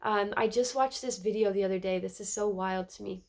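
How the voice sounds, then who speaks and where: A woman's voice: mid-range voice, fairly even intonation, fairly quick. A woman with a stuffy cold giving an earnest, casual spiritual card reading, often repeating words and adding "right?". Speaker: spiritual tarot reader.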